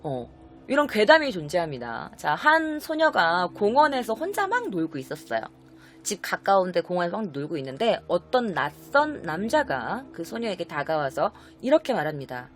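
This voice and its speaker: A woman casually telling an urban legend to her viewers, chatty and animated, briefly acting out the quoted voices. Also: lowish voice, normal speed. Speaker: YouTube storyteller. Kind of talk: casual spooky storytelling.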